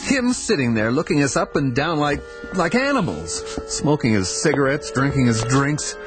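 An actor playing an anxious male fugitive from the future, nervous and quick to anger. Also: mid-range voice, very animated, music in the background, close to an everyday voice. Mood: agitated. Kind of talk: 1980s radio drama acting.

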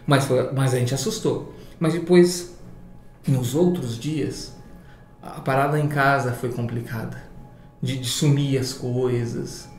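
A man with a Brazilian Portuguese accent, telling a story casually in an interview, animated and swearing. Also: medium pitch, slow, reverberant, faint music behind. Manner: animated, swearing, acts out voices in his story.

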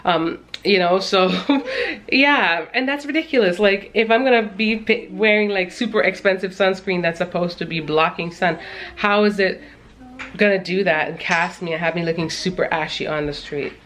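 A woman's voice: lowish voice, moderate pace. Chatty family vlogger, woman in her thirties, handheld camera in a kitchen, faint background hiss. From Canada. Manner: chatty and animated, with frequent laughs. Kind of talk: casual vlog chat. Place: home kitchen indoors. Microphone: handheld camera at arm's length.

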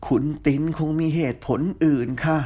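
Woman voicing a soft-spoken old housekeeper. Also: low voice, steady tone, normal speed. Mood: calm. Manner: soft, polite and soothing. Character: gentle, loyal older housekeeper woman.

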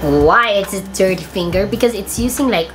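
A young Filipino woman with a deep, husky voice and a Filipino accent, chatting playfully through a comedic makeup tutorial in her bedroom, talking to a camera at desk distance. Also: animated, a little fast, loud music behind the voice. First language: Tagalog. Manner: playful, bursts into song and laughter. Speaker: makeup vlogger. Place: bedroom, indoors.

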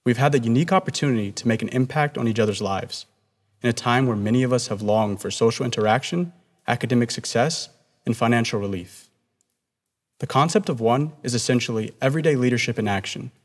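A man's voice: mid-range voice, quick pace. A young man, the student body president, delivering an earnest, prepared commencement speech at a podium on stage. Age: young adult. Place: stage with podium and red curtains. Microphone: podium mic. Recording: long hall reverb.

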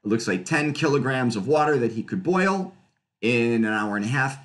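A middle-aged man giving a conversational research talk over a video call from a room at home, explaining slides with fillers and quick self-corrections. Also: mid-range voice, animated. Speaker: physics researcher presenting. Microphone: webcam on a video call.

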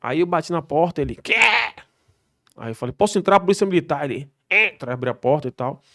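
A man spins a slangy, animated story from his police work. He speaks quickly in a fairly high voice. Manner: slangy, animated anecdote telling. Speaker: military police soldier guest. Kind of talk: podcast storytelling.

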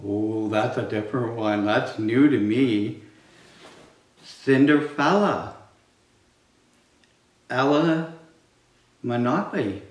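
Male drag queen, middle-aged, theatrical children's read-aloud, slow playful drawn-out words, distant mic. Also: medium pitch. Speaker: drag queen storytime performer. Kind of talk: children's picture book read-aloud with asides. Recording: roomy, distant microphone.

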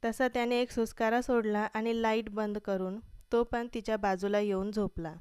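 Woman storyteller, steady expressive reading, very clear voice, dry close sound. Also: on the high side, normal speed, dry recording. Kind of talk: scripted story narration.

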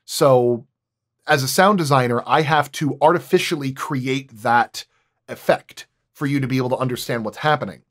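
A man's voice: medium pitch, moderate pace, fairly bright tone. A man who works as a sound designer, talking casually and in technical detail at a roundtable.

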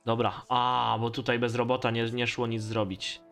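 A man's voice: medium pitch, completely flat delivery, moderate pace, creaky, fairly bright tone. Polish guy doing chill gaming commentary, slangy, bit sweary, faint music behind him. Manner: informal, slangy, mildly profane. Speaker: gamer hosting a let's play series.

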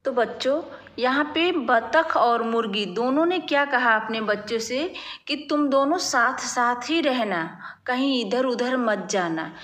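A woman's voice: fairly high pitch, lively intonation, a little slow, a bit bright, echoey room. A woman teacher reading a storybook lesson to young children, explaining patiently with simple questions.

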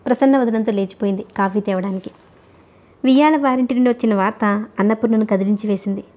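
A woman narrating a novel as an audiobook reader, in a steady, even storytelling manner. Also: on the high side, fast.

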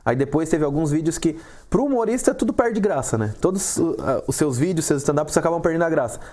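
A man with a Brazilian Portuguese accent, a comedian guest on a talk show, telling stories in an animated way and acting out what people said. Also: on the high side, brisk. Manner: animated storytelling, acts out quotes. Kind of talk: casual talk show interview.

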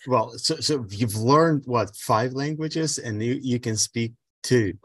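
A man's voice: medium pitch, slow pace. A man hosting a video call interview, reading out audience questions in an upbeat way. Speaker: host.

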